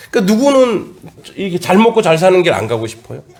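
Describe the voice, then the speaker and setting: Against noticeable background noise, a man speaks loudly in a high pitch. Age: 50s. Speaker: pastor. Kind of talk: sermon. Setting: church.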